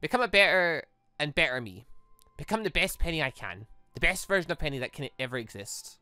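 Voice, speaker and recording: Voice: medium pitch, very animated, brisk, sharp tone, clear, resonant tone, no room sound, soft background music. Earnest young android girl, read by a let's player. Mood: determined. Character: earnest young female android, devoted and determined. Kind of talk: visual novel read-aloud.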